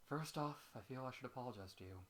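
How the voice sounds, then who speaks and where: Male reader for a young schoolgirl pony in an amateur storybook reading: sorrowful, subdued, resigned, bright tone. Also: mid-range voice, expressive, fast, a little hiss or hum, natural voice. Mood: resigned, sad.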